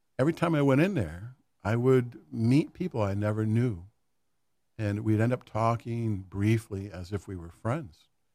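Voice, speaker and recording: A man with an Upper Midwest accent speaks at a fairly slow pace in a fairly low pitch, with a dark, mellow tone and lively intonation. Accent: Upper Midwest American. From Michigan, Grand Rapids. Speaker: village council president. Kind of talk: interview.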